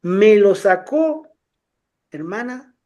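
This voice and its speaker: Speaking extremely slowly in a high voice, a middle-aged man recounts personal anecdotes during a casual chat. He is animated, frequently restarting phrases and imitating the voices of the people in his stories.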